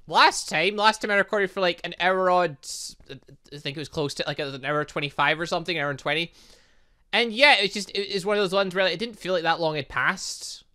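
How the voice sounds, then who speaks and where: A man's voice: on the high side, pushed and bright. A man hosting a casual let's play of a visual novel, chatting in a rambling way with light swearing between scenes. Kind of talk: casual gaming commentary and reading aloud.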